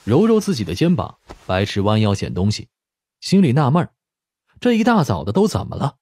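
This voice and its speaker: A man's voice: medium pitch, huge pitch swings, brisk, darkish tone, no room sound, studio quality. A man reading a dramatic scripted audiobook narration.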